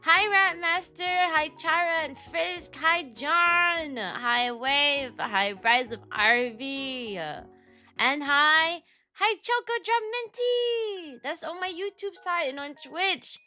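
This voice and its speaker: A young woman streaming and chatting casually with her viewers, her voice raspy and tired from teaching, greeting viewers by name in quick bursts. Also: very high voice, expressive, pushed and bright, faint music behind. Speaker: VTuber streamer.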